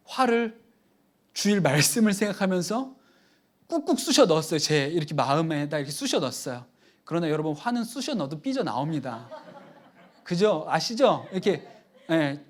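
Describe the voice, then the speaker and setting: A male pastor preaching in a loose, storytelling way, and his pitch swings widely as he talks. He keeps the congregation close with quick, chatty asides. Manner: animated, chatty anecdotes with audience asides. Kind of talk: conversational sermon storytelling.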